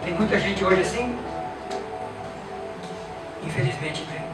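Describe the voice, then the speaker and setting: With a voice that sits high and takes things slowly, a Brazilian pastor preaches with a Brazilian Portuguese accent, emphatic and repetitive, asking his congregation rhetorical questions. The recording comes from afar in an echoey church, with music behind him.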